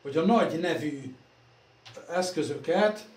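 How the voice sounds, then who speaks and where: A man's voice: fairly high pitch, expressive. A man talking casually while working on computers in his workshop, rambling and self-deprecating, recorded on a phone. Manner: rambling, self-deprecating, trailing off softly at phrase ends. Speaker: computer repair vlogger. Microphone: phone camera. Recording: echoey workshop room, faint ambience.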